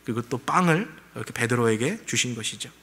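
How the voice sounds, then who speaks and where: Bright-voiced man preaching conversationally. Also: medium pitch, expressive, quick pace, breathy edge. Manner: conversational preaching with rhetorical questions. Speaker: pastor. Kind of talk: sermon.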